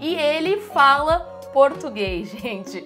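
A woman from Brazil hosting an interview from a video call, chatty and animated as she asks her questions. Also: high voice, slow pace, soft background music. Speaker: host, interviewer. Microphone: webcam video call.

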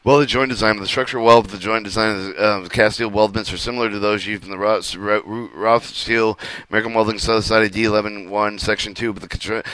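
A man's voice: fairly low pitch, steady tone, quick pace, fairly bright tone, clean tone, no echo, low-quality recording. A man reading a technical welding manual aloud, stumbling and restarting often over words. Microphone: screen recording with voice-over.

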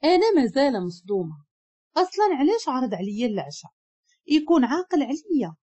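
A woman with a Moroccan accent narrating a first-person story in an expressive, emotional way. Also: sits high, quick pace, breathy edge.

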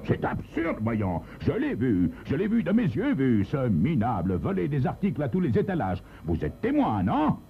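A man's voice: medium pitch, wildly swooping pitch, moderate pace, gravelly, few pauses, soft background music, voice pushed up. A man playing a blustering store boss. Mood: angry, blustering. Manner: blustering, grumbling, stammering. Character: pompous, irritable store director, middle-aged man. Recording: tinny lo-fi recording, faint hiss.

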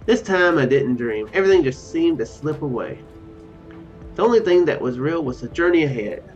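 Lively higher-pitched man reading a game aloud. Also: normal speed. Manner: musing, self-correcting asides. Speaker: video game streamer. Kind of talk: let's play, reading game text aloud with off-the-cuff commentary. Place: small room at home, indoors. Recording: dull lo-fi mic, music behind. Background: game music.

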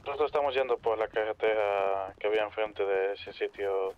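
A man's voice: lowish voice, steady tone, brisk, clean tone. A man talking casually as a fellow player in an online roleplay game. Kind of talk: casual radio-style roleplay chat. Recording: muffled voice chat with background noise.

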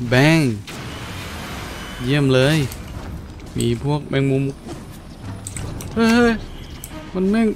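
A man's voice: medium pitch, noisy background. A man giving casual, playful let's-play commentary, full of exclamations and his own vocal sound effects. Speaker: gaming video host.

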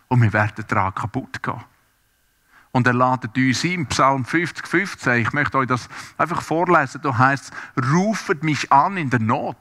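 Earnest preacher with bright voice. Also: male voice, mid-range voice. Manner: earnest, speaks directly to listeners. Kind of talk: sermon. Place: church service, also streamed to homes.

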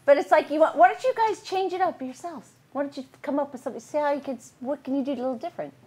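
A woman's voice: high-pitched, racing, darkish tone. Upbeat middle-aged woman coaching actors. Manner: enthusiastic, encouraging, laughs often. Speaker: voice-over director. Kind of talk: live coaching a table read. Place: living room full of people.

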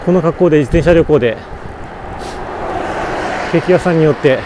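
A man's voice: on the high side, normal speed. A man riding a bicycle outdoors, chatting casually on a live stream and answering viewer comments as he goes. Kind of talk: casual live-stream chat while cycling. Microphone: camera mounted on the bicycle. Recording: loud wind buffeting, road traffic. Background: strong wind noise and passing traffic.

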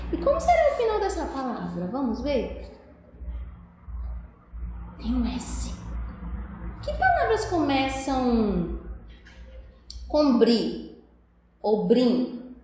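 A woman's voice: a little high, wildly swooping pitch, drawn-out words, pauses often, warm tone. A Brazilian woman teaching young children in a video lesson, coaxing and sing-song, full of questions. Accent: Brazilian Portuguese. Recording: very echoey room, faint noise.

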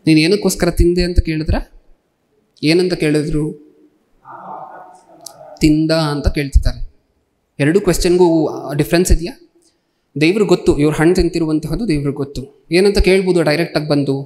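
A man preaching a sermon, constantly asking his listeners questions and reading scripture slowly. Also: a little high, steady tone, darkish tone.

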